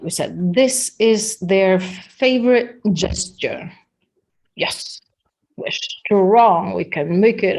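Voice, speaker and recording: A woman with a Danish accent teaching body language in a chatty, unhurried workshop talk, with many fillers and restarts. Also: mid-range voice, darkish tone. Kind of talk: live-streamed workshop talk.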